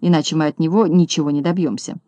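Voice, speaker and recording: A reader voicing a shrewd male swindler who is quick to take offence, in a dry audiobook recording. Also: mid-range voice, steady tone, dark tone, no echo, close to an everyday voice. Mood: indignant. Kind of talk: audiobook narration.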